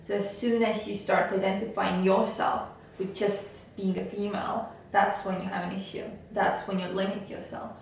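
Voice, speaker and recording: A woman's voice: mid-range voice, moderate pace, creaky. A woman whose first language is Estonian, speaking earnestly and motivationally as an interview guest. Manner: earnest, motivational, steady and even. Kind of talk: interview conversation. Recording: echoey room, from a distance, faint noise.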